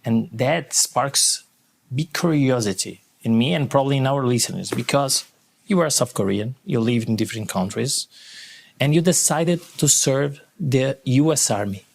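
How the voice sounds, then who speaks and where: Gravelly-voiced host, non-native English. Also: male voice, mid-range voice, normal speed. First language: Portuguese. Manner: non-native phrasing, earnest and curious. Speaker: podcast host. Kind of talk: interview questions.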